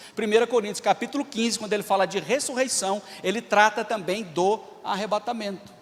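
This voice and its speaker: This man's voice is high for him, moving fairly quickly with fairly even intonation. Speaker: preacher. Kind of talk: sermon. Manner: fast.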